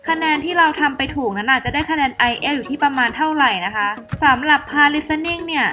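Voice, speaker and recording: A young adult woman giving study tips in a casual tutorial vlog, chatty, with frequent soft polite sentence endings. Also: high voice, brisk. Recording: roomy echo with faint background music.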